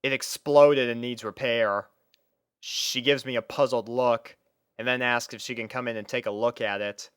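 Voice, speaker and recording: A young man narrates a first-person story from a script. His voice is smooth and clean, with a medium pitch, recorded close and dry. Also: steady tone, moderate pace, fairly bright tone, dry recording.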